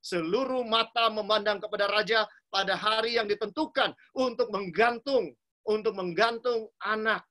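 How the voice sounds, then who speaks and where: A man's voice: sits high, bright, forceful tone. A male pastor telling an illustration story in a sermon, dramatic and addressing his listeners directly. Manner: acts out quoted characters with rising intensity.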